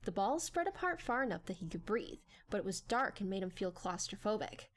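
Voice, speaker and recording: A woman reading a story aloud as a dramatic, expressive, animated narrator. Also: mid-range voice, fairly quick. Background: background music.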